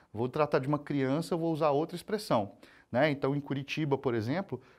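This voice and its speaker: Speaking with a strong Goiás accent, a man talks at a fairly quick pace with lively intonation. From Brazil, Goiás (Goiânia). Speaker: teacher. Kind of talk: lecture. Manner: casual, conversational.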